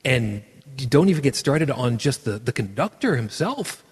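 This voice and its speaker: A man hosting a casual podcast chat, lively, often acting out quoted lines in other voices. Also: medium pitch, moderate pace, breathy edge, big-room sound. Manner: animated, acts out quoted lines in shifted voices. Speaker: podcast host.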